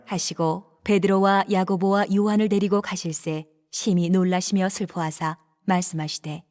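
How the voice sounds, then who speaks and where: A woman narrating scripture for an audio Bible drama, telling the story in a steady, even way. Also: on the low side, moderate pace.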